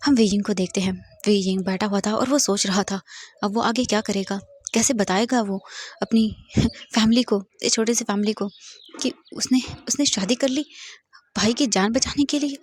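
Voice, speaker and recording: A woman's voice: on the high side, moderate pace, breathy edge. Woman casually retelling a story. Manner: plain narration mixing English words. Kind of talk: casual retelling of fan fiction.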